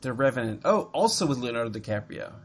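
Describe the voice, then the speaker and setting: A man hosting a podcast, chatting casually and teasing his co-host in a jokey, animated way. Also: medium pitch, fast talker. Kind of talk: casual chat.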